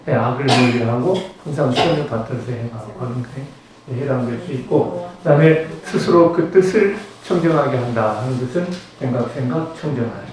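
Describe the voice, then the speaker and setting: An older man gives a conversational Buddhist lecture and now and then leads slow chants. His voice sits in the middle range. He is picked up from a distance in a strongly echoing lecture room. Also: mid-range voice, darkish tone. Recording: very echoey room, distant mic.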